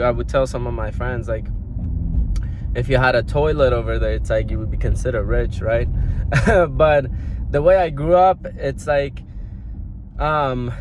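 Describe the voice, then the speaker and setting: A man, talking casually to camera in a loose, rambling way and often clearing his throat. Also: medium pitch, darkish tone. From Iran. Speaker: motivational vlogger. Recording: outdoor street noise.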